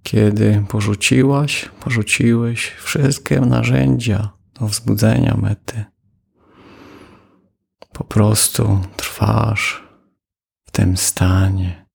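Male meditation guide, very slow, heavy vocal fry, low husky voice. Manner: slow, calm, with long pauses. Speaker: meditation teacher.

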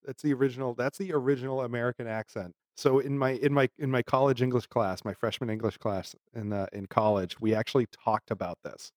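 A man's voice: mid-range voice, fairly even intonation, a little fast, hardly any pauses, a little mellow, dry recording, clean studio sound. A man from Massachusetts co-hosting a podcast in casual chat, telling stories in a rambling way and laughing often. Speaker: podcast co-host.

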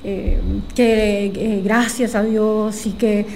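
A woman, talking thoughtfully and softly as a guest in a casual interview. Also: medium pitch, little pitch movement, extremely slow, slight background noise. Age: 30s.

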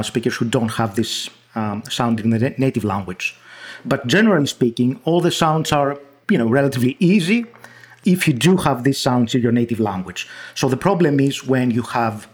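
Greek guy w/ husky voice, explains stuff, lots of ums and restarts. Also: medium pitch. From Greece. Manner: hesitant, many restarts and fillers. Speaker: guest researcher. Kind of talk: interview.

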